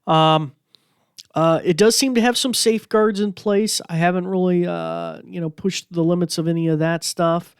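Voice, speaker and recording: A man's voice: high-pitched, steady tone, moderate pace, vocal fry, clear, resonant tone, no room sound, clean studio sound. A man hosting a podcast, chatting casually and rambling with lots of fillers as he demos a gadget. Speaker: podcast host. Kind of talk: casual tech demo chat.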